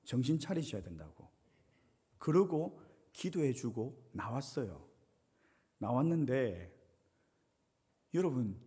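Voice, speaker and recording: Animated Korean pastor in a reverberant sanctuary. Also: male voice, mid-range voice, slightly rough. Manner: animated storytelling, acts out quoted people. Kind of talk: sermon with personal story. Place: church sanctuary. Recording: long reverb of a church hall.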